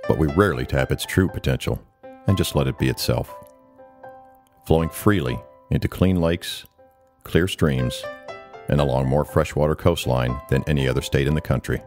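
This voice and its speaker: A man's voice: rumbling low, darkish tone, pitched below the performer's own voice. A man performing a cool, confident commercial announcer in a scripted voice-over.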